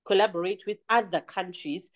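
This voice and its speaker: A woman's voice: mid-range voice, normal speed. A woman with a Zimbabwean accent, a musician answering as an interview guest in an earnest, explanatory, conversational way.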